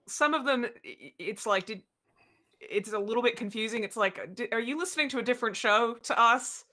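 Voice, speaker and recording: Bright-voiced woman chatting on a panel. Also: mid-range voice. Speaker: panelist, podcast writer. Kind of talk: casual explanatory panel talk. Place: indoor room at home, video call.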